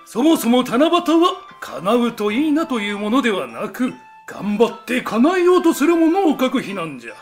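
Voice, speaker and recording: A proud old emperor of heaven in an animated children's story. His voice is very high for a man and swings in pitch as he lectures like a fatherly elder. Faint music plays behind him. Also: normal speed, hardly any pauses, full character voice. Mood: lordly, explaining. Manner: old-fashioned elder's speech, lordly and explanatory. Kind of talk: scripted educational story narration.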